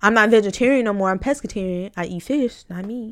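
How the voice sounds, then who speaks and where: In a very clean recording with a silent background, a woman with an American accent and an ordinary speaking voice uses ordinary pitch variation. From Wisconsin, US Midwest. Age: 20s. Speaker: podcast guest, host's sister. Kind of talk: casual chat.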